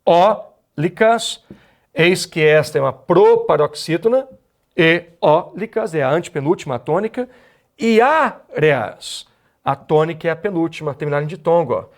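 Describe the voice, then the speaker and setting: High-voiced Brazilian man teaching a class. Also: brisk. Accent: Brazilian Portuguese. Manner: explains step by step, asks the class rhetorical questions. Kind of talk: exam-prep lecture.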